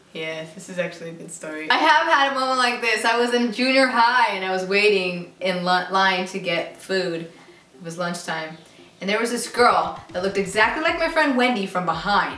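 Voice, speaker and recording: A woman speaks at a medium pitch with lively intonation and big swings in loudness, hardly pausing, over noticeable background noise with audible room echo. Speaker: YouTuber. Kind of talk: casual vlog Q&A. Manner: fast; animated.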